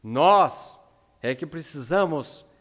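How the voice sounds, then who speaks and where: A Brazilian man in his seventies giving a prepared religious lecture in Portuguese with deliberate, emphatic pauses at a lectern microphone. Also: a little high, lively intonation. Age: 70s. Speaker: lecturer at a Spiritist centre. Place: indoor lecture room at a lectern. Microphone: gooseneck lectern microphone. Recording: echoing hall with long reverb.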